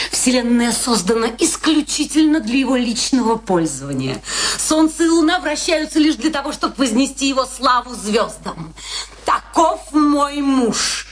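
An actress playing a bitter, scornful wife in a radio play, with a sardonic, declamatory delivery. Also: female voice, medium pitch, a little hiss or hum, close to an everyday voice.

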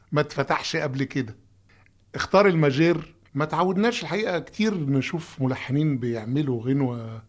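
A man's voice: mid-range voice, darkish tone. A man with an Egyptian accent who hosts a music commentary, reciting song lyrics aloud and humming melodies as he explains them. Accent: Egyptian Arabic. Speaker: host explaining songs.

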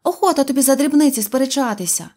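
Lady doing a squeaky scolding little girl, high and bossy. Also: animated, quick pace, warm tone. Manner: chiding, high and eager.

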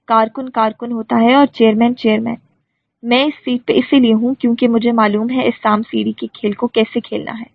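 A cold male politician brushes off complaints with curt, stern lines, as a woman reader voices him. The voice is husky and gravelly. It comes over a dry, phone-like audiobook recording. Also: on the high side, little pitch movement, no echo. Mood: dismissive. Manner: curt and dismissive.

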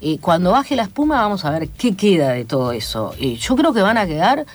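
A woman from Chile with a Chilean Spanish accent, a guest in a radio studio interview, talking in a measured, lecturing way full of fillers. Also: lowish voice, sing-song. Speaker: guest, academic commentator. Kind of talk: radio interview, analytical talk.

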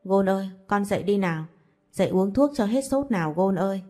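A woman voicing a kind, caring young woman who speaks in a gentle, coaxing way. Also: medium pitch, lively intonation, brisk, close to an everyday voice.

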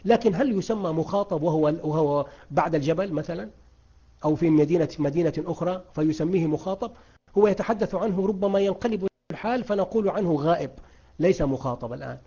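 A man's voice: fairly high pitch, fast talker, dark tone, slightly rough, muffled recording. A man teaching an Arabic grammar lesson to beginners online, quizzing his students and praising their answers.

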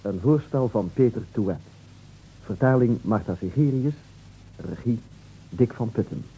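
A man's voice: mid-range voice, animated, measured pace, dark tone. A man announcing radio play credits in a scripted style. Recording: dull old radio recording.

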